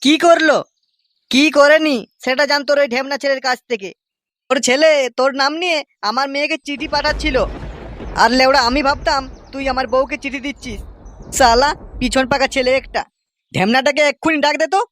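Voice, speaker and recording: A man's voice: very high-pitched, fairly even intonation, brisk, a bit bright. A man voicing a suspicious, grumpy village father in a comedy cartoon, grumbling and accusing coarsely. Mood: outraged. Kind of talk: Bengali comedy cartoon dubbing.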